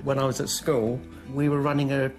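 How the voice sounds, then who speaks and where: A man's voice: mid-range voice, level tone, brisk, darkish tone, faint music behind. An older man chatting casually in an interview; he hesitates and repeats words. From Caribbean. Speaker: house hunter, research scientist.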